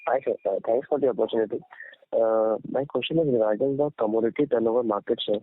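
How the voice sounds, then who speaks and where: A man's voice: mid-range voice, quick pace, no echo, soft background music. Polite man on a dry phone line. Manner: polite, direct. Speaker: caller putting questions to management. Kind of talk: prepared questions on a conference call. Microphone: phone call.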